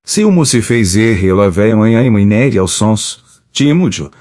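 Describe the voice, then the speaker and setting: A man's voice: lowish voice, expressive, a little slow, a little mellow, no room sound. Man reading an audiobook, dry sound. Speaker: audiobook narrator.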